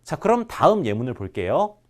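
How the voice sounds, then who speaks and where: A man teaching a language class, drilling example words slowly and clearly for his students. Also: medium pitch, big pitch swings, darkish tone. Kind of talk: classroom lesson.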